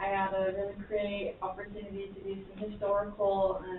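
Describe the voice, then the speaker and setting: A woman's medium-pitched voice with a Pacific Northwest accent, moderate pace and audible room echo. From Eastern Washington. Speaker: HR and admin coordinator. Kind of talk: staff self-introduction presentation. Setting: board meeting.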